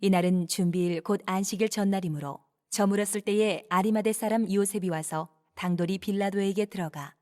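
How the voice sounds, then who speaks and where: A woman with a mellow, mid-pitched voice narrates a dramatized scripture text. Her intonation stays fairly even as she reads in a measured way, enunciating every phrase.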